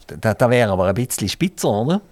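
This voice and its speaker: A man's voice: fairly low pitch, big pitch swings, fast talker, a little mellow, no room sound. Male radio host, Swiss German accent, chatty, jokey interviewer. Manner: chatty, jokey, asks many follow-up questions. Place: radio studio.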